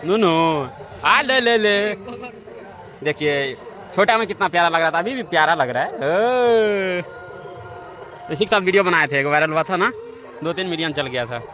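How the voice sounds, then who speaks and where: A man's voice: on the high side, quick pace. A man vlogging casually from a rural farmyard, talking to his viewers. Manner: lively, coos to animals. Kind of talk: casual vlog narration.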